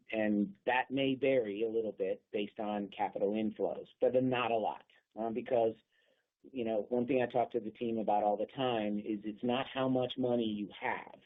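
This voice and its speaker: Low-voiced, husky man on a phone line. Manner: halting, repeats words. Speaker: company executive. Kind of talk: unscripted answers on an earnings call. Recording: thin phone-line conference call.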